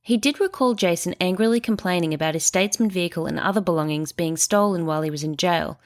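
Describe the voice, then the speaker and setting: A woman hosting a true crime podcast, reading a measured scripted narration with a stuffy nose. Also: fairly low pitch. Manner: measured, reasoning aloud through evidence.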